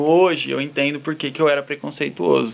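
A man speaks, and noticeable background noise is audible. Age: 20s. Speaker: business student and salesman. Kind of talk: casual chat. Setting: studio.

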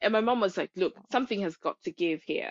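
An animated tone rides on very wide pitch swings. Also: woman. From Zimbabwe. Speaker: podcast co-host. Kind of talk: casual chat. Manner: animated, laughs a lot.

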